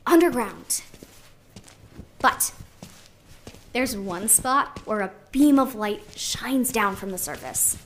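A woman's voice: sits high, fairly bright tone, slight background noise, full character voice. A woman playing a chatty, wry, caring artist who narrates conversationally in an audio drama.

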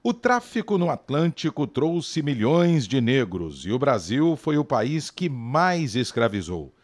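Lively Brazilian male news narrator. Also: mid-range voice, unhurried. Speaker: news reporter.

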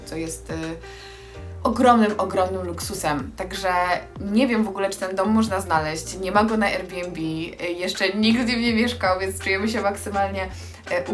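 A young adult woman giving a casual, enthusiastic house tour to camera as a vlogger. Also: medium pitch. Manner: enthusiastic, effusive. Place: small stone house and outdoor terrace.

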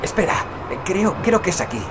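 A man's voice: high-pitched, very animated, moderate pace, heavy background noise. An actor playing an anxious, impatient stranded husband and father in an audio drama, agitated, demanding and prone to stammer. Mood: alarmed, unsure.

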